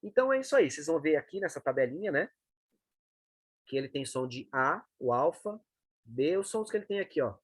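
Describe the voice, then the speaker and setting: A man's voice: fairly high pitch, sing-song, brisk, husky, no room sound. A man giving a lesson, walking through letters and checking in with the listener often. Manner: explanatory, frequent checking tags like "né" and "tá". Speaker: teacher. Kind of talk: lesson on reading the Greek alphabet.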